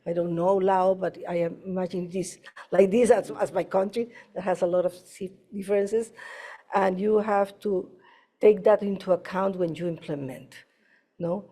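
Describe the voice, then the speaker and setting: A woman from Peru with a Peruvian Spanish accent, commenting off the cuff at a conference in halting non-native English, often adding "no?" as a tag. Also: fairly low pitch, steady tone, mellow. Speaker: health project worker giving feedback at a conference. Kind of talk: impromptu comment at a conference session.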